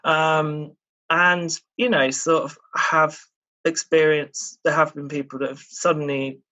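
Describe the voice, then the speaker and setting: Slightly high-voiced man, thoughtful guest. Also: steady tone, a little slow, sharp tone. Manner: reflective, heavy use of "you know" and "um". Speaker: interview guest, public speaker. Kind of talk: casual conversational interview.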